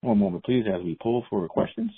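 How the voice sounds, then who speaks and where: A husky, fairly low-voiced man comes through a narrowband phone line. He is a call operator giving formal, scripted instructions. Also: very animated, a little fast. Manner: formal, procedural.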